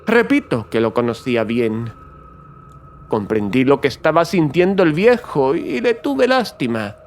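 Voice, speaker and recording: An actor playing a mad, gloating murderer who confesses in a theatrical horror audiobook, swinging between hushed and agitated delivery. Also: male voice, medium pitch, slight background noise. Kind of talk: dramatic horror audiobook narration.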